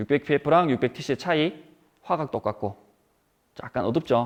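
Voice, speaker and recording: A man with a fairly high pitch and an animated tone speaks at a moderate pace with lively intonation and long, frequent pauses, in a dry, close sound with no echo. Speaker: wildlife photographer and camera lecturer. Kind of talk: lecture. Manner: animated, conversational.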